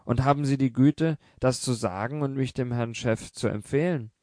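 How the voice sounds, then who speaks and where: A man's voice: medium pitch, moderate pace, darkish tone, no echo, clean studio sound, lightly acted. A man doing a flustered young salesman pleading. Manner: hasty, flustered excuses.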